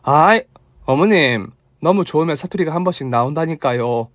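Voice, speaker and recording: A man voicing a generous, lively young daughter-in-law with a Gyeongsang dialect, earnest and teasing. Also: a little high, moderate pace, no echo. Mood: playful.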